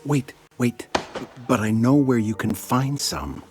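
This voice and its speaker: An actor playing an earnest, anxious captive prison warden in a video game, speaking with urgency. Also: male voice, mid-range voice, takes it slowly, over music, lightly acted. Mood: anxious pleading. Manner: hushed, urgent. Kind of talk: video game cutscene acting.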